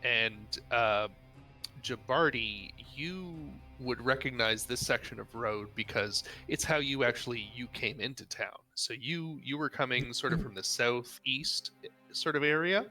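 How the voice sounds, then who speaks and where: A man narrating as dungeon master of a tabletop game, halting and rambling with many fillers. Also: medium pitch, sharp tone, faint music behind.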